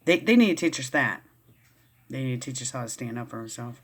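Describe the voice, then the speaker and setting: A woman's voice: very deep voice, lively intonation, brisk, a little hiss or hum. Woman vlogger, casual read-aloud with riled, rambling asides. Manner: rambling, easily riled, many restarts. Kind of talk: casual reading and commentary.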